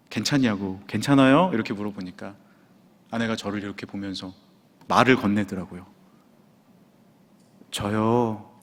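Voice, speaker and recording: A male senior pastor preaching a sermon in a church, telling a personal story with hushed asides and sudden exclamations. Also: mid-range voice. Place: church sanctuary. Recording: long church hall reverb.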